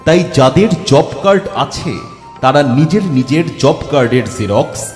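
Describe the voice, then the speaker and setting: A man making a formal public announcement for a village council through a loudspeaker mic, in a measured, reading-out manner. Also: on the high side, animated. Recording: echoey hall reverb with faint music.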